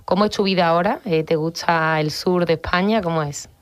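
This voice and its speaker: A woman hosts a radio show, keeping the talk moving with short, encouraging prompts. Her voice sits a little low for a woman. She speaks from a radio studio. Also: fairly quick. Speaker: radio host. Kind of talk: radio interview.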